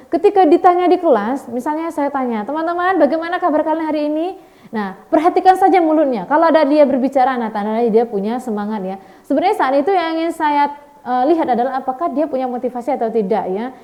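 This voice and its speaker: A woman lecturer explaining observation methods in a recorded video lesson, often adding "ya" and acting out short classroom exchanges. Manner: explanatory, acts out little classroom dialogues with lively pitch jumps; frequent tag "ya" and Indonesian-English code-switching. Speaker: university lecturer.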